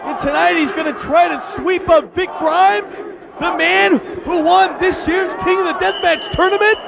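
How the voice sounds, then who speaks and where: A man giving excited, exclamatory live wrestling commentary as play-by-play announcer, often shouting. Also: extremely high pitch, normal speed, gravelly. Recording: noisy arena, loud crowd. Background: loud wrestling crowd.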